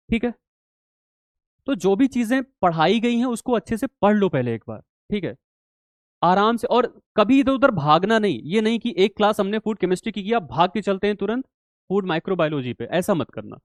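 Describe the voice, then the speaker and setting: This young teacher, very animated and fairly quick, has a high voice as he works through quiz questions in a live online exam-prep session. He is casual, addresses students as bhai, checks in with them often, and repeats "theek hai" and "clear". There is no echo.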